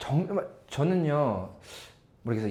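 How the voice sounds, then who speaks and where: Audible room echo surrounds a voice that makes very wide pitch swings. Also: man. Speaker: pastor. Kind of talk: sermon. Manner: slurred at times; conversational.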